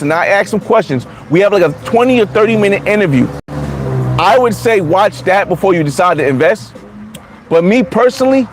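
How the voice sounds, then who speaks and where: Man in his 40s, high voice, blunt, restarts often, casual chat, faint traffic noise outdoors. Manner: blunt, repetitive, many restarts. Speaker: vlogger. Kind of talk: casual livestream chat reading comments.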